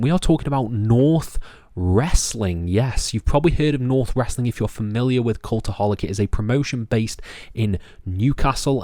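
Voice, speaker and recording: A man's voice: mid-range voice, a little mellow, dry recording, clean studio sound. A young man from England with a Stoke-on-Trent accent, hosting a solo wrestling review and talking enthusiastically, doubling words for emphasis. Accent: Stoke-on-Trent English. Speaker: wrestling reviewer, channel host.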